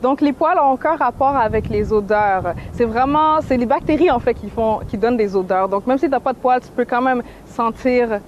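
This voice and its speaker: A woman's voice: fairly high pitch, moderate pace, hardly any pauses, muffled recording, a little hiss or hum. A woman in her twenties with a Québécois French accent, talking candidly in an interview and laughing easily. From Canada. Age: 20s. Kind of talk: casual interview talk.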